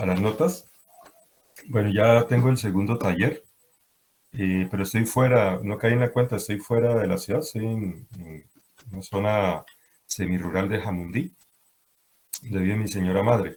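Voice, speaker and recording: A somewhat breathy man's voice with long, frequent pauses. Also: fairly low pitch for a man, ordinary pitch variation, moderate pace. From Colombia. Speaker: university tutor. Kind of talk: online class. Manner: halting, many repetitions.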